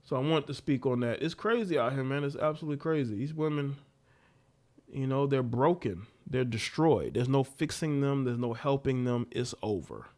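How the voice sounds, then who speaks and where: A man's voice: mid-range voice, expressive, normal speed, a little mellow. A man hosting a livestream, reacting to clips with blunt, ranting, scornful commentary.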